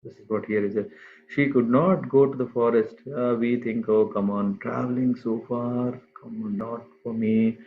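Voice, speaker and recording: A man giving a scripture class to a group, speaking unhurriedly and pausing often with fillers. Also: medium pitch, steady tone. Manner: unhurried, halting with many fillers. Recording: tinny phone-like line.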